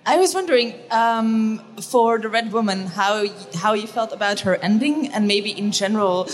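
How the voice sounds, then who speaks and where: A woman with a mid-range voice asks a question from the audience at a convention panel. She speaks tentatively, with small pauses and fillers. She sounds like an ordinary fan at the microphone. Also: mid-range voice. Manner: hesitant, tentative. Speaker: audience member asking a question.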